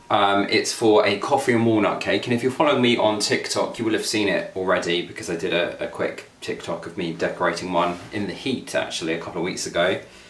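A man talking at a very fast pace with hardly any pauses, amid audible room echo. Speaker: baking channel host. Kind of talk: casual vlog chat. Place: kitchen.

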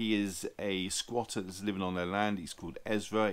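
A man speaks at a fairly quick pace in a fairly low voice. His is an unremarkable speaking voice. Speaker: film reviewer. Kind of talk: review commentary. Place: home room. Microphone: phone near.

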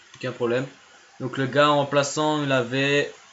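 Fairly high-pitched man at a fairly slow pace, with noticeable background noise. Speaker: gaming YouTuber. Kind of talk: live play-by-play commentary of his own FIFA match, reacting to goals. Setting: screen-recorded gameplay, talking to viewers.

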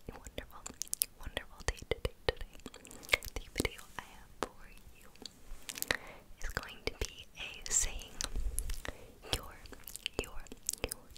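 Whispering at a fairly slow pace, a woman leaves long, frequent pauses and shows big swings in loudness. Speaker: ASMR creator. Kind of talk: ASMR name whispering. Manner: whispered. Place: home room. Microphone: studio mic.

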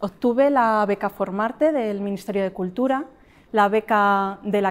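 A woman talks at a moderate pace, her fairly high voice moving with ordinary pitch variation. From Spain, Toledo province; Spain. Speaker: art restorer. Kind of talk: testimonial address to camera. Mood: earnest, encouraging. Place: workshop. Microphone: lapel.

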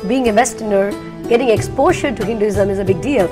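A woman's fairly high voice over clear music in the background. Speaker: interviewer. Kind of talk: interview question. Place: studio. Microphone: lapel.

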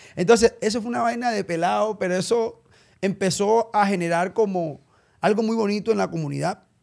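A man speaks at a fairly quick pace with a high pitch. His ordinary pitch variation comes over a quiet background. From Colombia, Barranquilla (Caribbean coast); Colombia. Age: 30s. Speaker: lawyer and political candidate; podcast guest. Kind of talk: interview. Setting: studio. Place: studio. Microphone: studio mic.

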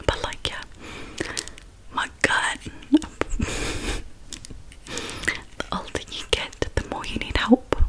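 At a very slow pace, a woman speaks in a whisper. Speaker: ASMR creator. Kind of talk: ASMR whisper tapping video. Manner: whispered, soft-spoken. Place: home room. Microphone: phone near.

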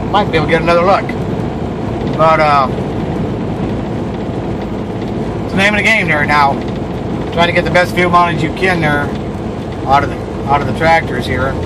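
Loud background noise fills the clip. The pace is fairly quick. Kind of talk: casual driving commentary. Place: car. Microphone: phone near.

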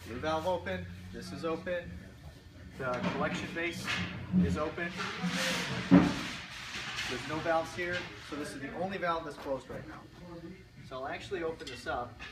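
Loud background noise behind a man speaking at a moderate pace, with long, frequent pauses. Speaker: equipment demonstrator. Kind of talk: tutorial. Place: garage. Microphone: camera far.

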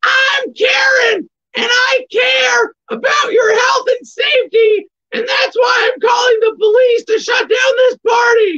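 A shouted, put-on character voice at an extremely high pitch and a fairly slow pace. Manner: sanctimonious, self-righteous.

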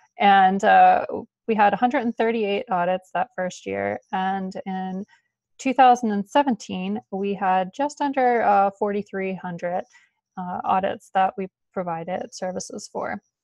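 Dry sound with no echo and a quiet background frame a woman at medium pitch. She speaks at a very slow pace with ordinary pitch variation. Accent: American. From United States. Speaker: government audit program coordinator. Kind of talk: presentation on a conference call. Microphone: phone line.

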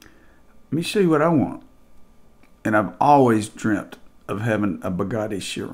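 With lively intonation and an animated tone, a man speaks at a moderate pace, leaving long, frequent pauses. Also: medium pitch for a man. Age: 50s. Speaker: crypto YouTuber. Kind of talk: casual vlog monologue.

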